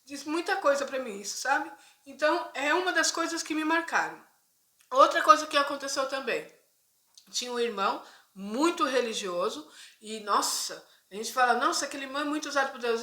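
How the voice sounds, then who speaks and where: A woman's voice: fairly high pitch, pushed and bright. A middle-aged woman with a Brazilian Portuguese accent shares a personal testimony as a Christian vlogger. She talks conversationally and keeps checking in with her viewers. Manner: conversational, frequent tag questions to viewers. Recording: echoey room.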